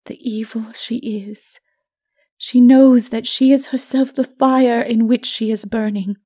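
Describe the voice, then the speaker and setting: A woman voicing a grave, gentle woman of sorrow in a dark fantasy audiobook, speaking slowly and solemnly. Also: on the high side, no echo, clean studio sound, pitched above the performer's own voice, full character voice. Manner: gentle, slow, solemn, partly breathy.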